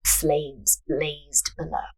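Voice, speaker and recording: Female narrator-host: slightly low, husky, reads fiction and drops into casual banter. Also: level tone, very slow, a little mellow, poor audio. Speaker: podcast host, writer and narrator.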